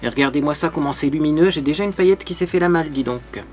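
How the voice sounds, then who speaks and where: Over soft background music, a man runs a makeup tutorial at a quick pace, his voice on the high side. This beauty vlogger chats in a bubbly way, constantly adding fillers like "hein" to his sentences.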